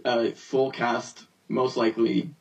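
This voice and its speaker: A man's voice: medium pitch, little pitch movement, slow pace, vocal fry, darkish tone, breathy edge, recorded from a distance, dull audio. A man co-hosting a casual podcast chat, hesitant with many fillers, his call voice replayed through a speaker and picked up by a phone held up to it. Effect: remote call voice replayed through a speaker and picked up by a phone. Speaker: podcast co-host.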